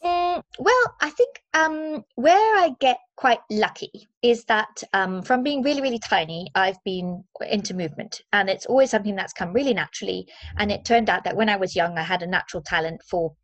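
A woman's voice: mid-range voice, expressive, moderate pace, hardly any pauses, a bit bright, no room sound. A woman in her forties from Zimbabwe, a movement and mindset coach, talking as a guest in an upbeat, chatty way with lots of fillers. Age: 40s. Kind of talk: casual interview chat.

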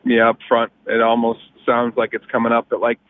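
A man calling in on a tinny phone line, speaking in a steady, flat tone. He stops and starts with plenty of ums and uhs, and the sound is dry and close. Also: medium pitch, no echo. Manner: halting, many ums and uhs. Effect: heard over a phone line. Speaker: caller to a car advice show. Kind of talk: calling in to radio talk.

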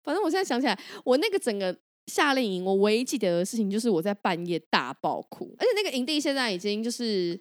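A woman from Taiwan with a Taiwanese Mandarin accent, co-hosting a podcast and telling stories in an animated, laughing way. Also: medium pitch. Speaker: podcast co-host. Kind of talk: casual chat.

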